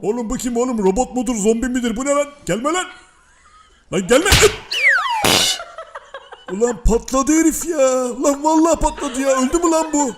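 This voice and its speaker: A man's voice: very high voice, moderate pace, pauses often, very noisy. A man voicing a brash, foul-mouthed male house cat who curses and exclaims at everything. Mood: alarmed. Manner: cursing, jumpy, exclaiming. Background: music.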